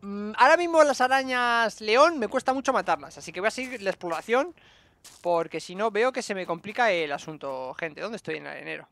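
A man giving excited gameplay commentary as a streamer, repeating words in quick bursts and talking to himself and his viewers. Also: sits high, vocal fry. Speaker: gaming streamer.

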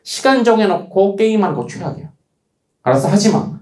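A man lecturing students as a study coach. He talks bluntly and casually, teasing them with quick rhetorical questions. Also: sits high, animated, a little mellow, reverberant.

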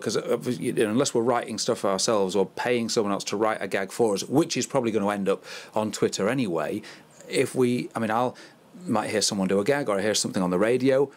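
Man, podcast host, teasing interviewer, lowish voice, lots of quick yeahs. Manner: quick teasing questions, frequent "yeah" backchannels. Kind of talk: conversational interview.

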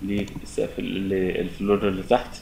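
A young man with an Egyptian Arabic accent giving a relaxed, step-by-step software tutorial at his desk. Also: low-pitched, fairly quick, gravelly, a little hiss or hum. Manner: relaxed, step-by-step explaining with many fillers. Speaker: software instructor. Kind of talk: screen-recorded software tutorial.

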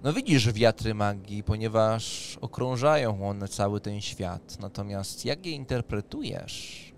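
A man's voice: on the low side, animated, a little slow, a little hiss or hum. A man, narrating a tabletop fantasy game as game master on a close microphone. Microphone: close microphone on an arm, headset.

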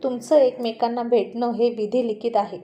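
A woman's voice: a little high, steady tone, moderate pace, dark tone, lightly acted. A woman voicing a confident, teasing young female friend. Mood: knowing. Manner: teasing, knowing.

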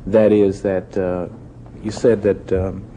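A young man hosting a television interview, asking calm, probing questions with some hesitation. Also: sits low, takes it slowly, dull audio, slight background noise. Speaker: host. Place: television studio.

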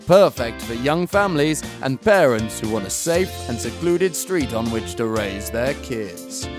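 A man's voice: mid-range voice, expressive, unhurried. A young man voicing a commercial in an upbeat, persuasive announcer style, recorded on a studio microphone. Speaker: voice actor. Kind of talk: commercial voice-over read. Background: faint music.

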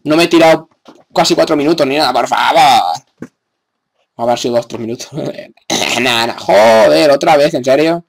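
A man's voice: on the high side, normal speed, gravelly, slight background noise. A young man with a Spain Spanish accent giving gameplay commentary, sarcastic and exasperated, with frequent cursing. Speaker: gamer.

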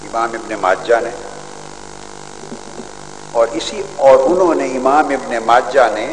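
An older man, a religious scholar, giving a formal hadith lesson from a podium, measured and scholarly with emphatic rises. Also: medium pitch. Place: large outdoor stadium stage. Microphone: podium microphones. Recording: hall echo, faint background noise.

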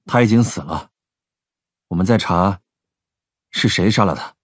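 An actor playing a cool, terse police detective in an audio drama. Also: male voice, low voice, a little slow, husky, no echo, studio quality. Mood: serious.

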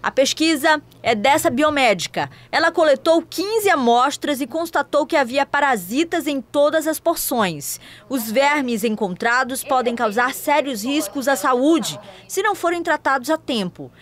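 Female news reporter, high-pitched, lively scripted read. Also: a little slow. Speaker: field reporter.

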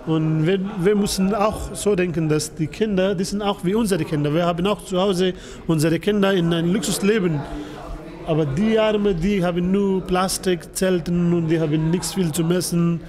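A man's voice: high-pitched, steady tone, normal speed, a little mellow. A man in his thirties, a refugee TV reporter, speaking earnestly with many hesitations and filler sounds in a small office. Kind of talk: interview answers, unscripted.

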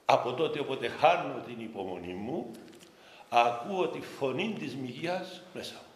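A man with a Cypriot Greek accent, a bishop giving a sermon in a slow, storytelling manner. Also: medium pitch, expressive, a little hiss or hum. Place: chapel during a vigil service. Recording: echoey chapel reverb with faint ambience.

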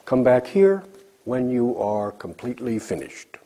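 Slow, deliberate older male English teacher. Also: mid-range voice, big pitch swings, dark tone. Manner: clear, deliberate teacher delivery with pauses for repetition. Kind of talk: slow scripted ESL lesson with drills. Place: studio set before bookshelves.

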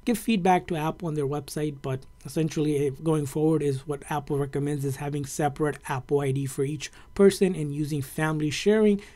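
A tech tutorial host with a soft-edged, mellow voice at a medium pitch. The delivery is casual and conversational, explaining things informally and circling back over points. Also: steady tone, a little fast, few pauses.

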